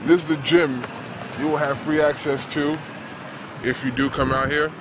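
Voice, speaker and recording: A man's voice: fairly high pitch, little pitch movement, normal speed. A young man giving a casual, joking walk-through tour in informal slang, recorded on a handheld camera. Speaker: vlog host giving a facility tour. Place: on the move outdoors, in a locker room and in a large indoor pool hall. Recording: noisy handheld camera, heavy ambient noise.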